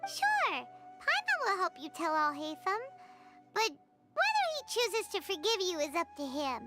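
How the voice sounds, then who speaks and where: A woman voicing a tiny, excitable, childlike fairy companion in a video game, with a squeaky voice and expressive delivery. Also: measured pace, full character voice. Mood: earnest. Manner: speaks of self in third person, expressive. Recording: game music behind voice.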